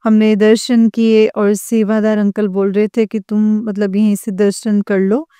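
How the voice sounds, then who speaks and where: A woman's voice: mid-range voice, level tone, unhurried, mellow, clean tone, no room sound, clean studio sound. A young woman earnestly telling a personal story to a religious congregation, addressing her listeners again and again. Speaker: devotee sharing experience.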